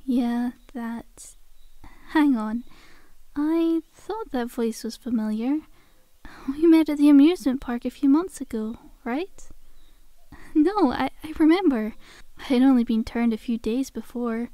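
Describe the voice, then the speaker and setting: A woman's voice: high voice, measured pace, warm tone, no echo. A woman playing a friendly, sly zombie girl in an ASMR roleplay, coaxing a survivor in a chummy, casual, faux-innocent way. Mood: sly, amused.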